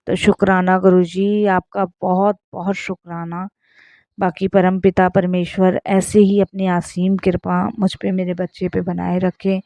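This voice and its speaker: A woman's voice: on the low side, dark tone, dry recording. A woman in her thirties earnestly sharing a spoken devotional testimony, repeatedly addressing her listeners. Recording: dull lo-fi sound.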